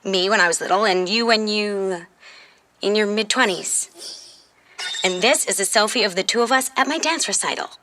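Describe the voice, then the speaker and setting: A woman's voice: mid-range voice, normal speed, noisy background, close to an everyday voice. A woman playing an earnest, eager fifteen-year-old girl from the future in an audio drama, insistent and persuasive. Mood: matter-of-fact, persuasive.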